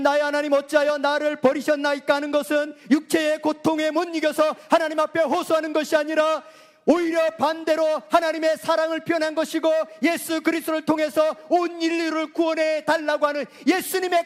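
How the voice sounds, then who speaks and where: High-voiced impassioned male pastor. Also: flat delivery, brisk, long reverb tail. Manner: impassioned preaching, swinging from loud cries to hushed, soft lines. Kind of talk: sermon.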